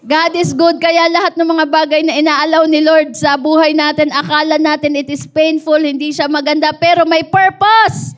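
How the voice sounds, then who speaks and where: A woman's voice: sits high, little pitch movement, moderate pace, few pauses. A woman pastor with a Filipino accent preaching a sermon, mixing Tagalog and English, telling a story with call-and-response to the congregation.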